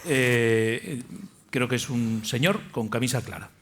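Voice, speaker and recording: A man's voice: mid-range voice, slow pace, a bit bright, a little hiss or hum. A man moderating a live panel discussion and running the questions with light humor.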